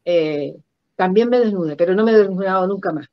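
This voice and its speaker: An older woman with a Chilean accent recounts personal stories reflectively in an interview, halting and repeating words for emphasis over a video call. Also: medium pitch, no room sound. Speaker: guest performance artist. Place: indoor room at home. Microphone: computer mic on a video call. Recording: dull lo-fi video call audio.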